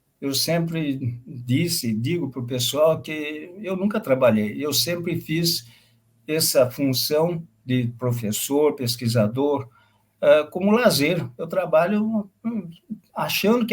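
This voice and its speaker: At a very slow pace, a man talks with lively intonation and a fairly high pitch. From Brazil, interior of São Paulo state. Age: 70s. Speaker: agronomy professor and researcher. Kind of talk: interview testimony. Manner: hesitant, many fillers.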